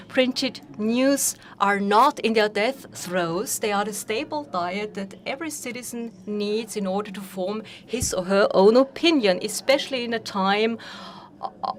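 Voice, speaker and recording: Woman conference interpreter, fairly high voice, formal and measured, keynote interpretation.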